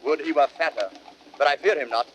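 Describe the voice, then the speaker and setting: An actor playing a proud, suspicious, imperious Roman ruler with commanding, pompous Shakespearean delivery. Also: male voice, on the high side, brisk, natural voice. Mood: haughty, wary. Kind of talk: classical Shakespearean radio drama acting. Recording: noisy vintage spoken-word drama record.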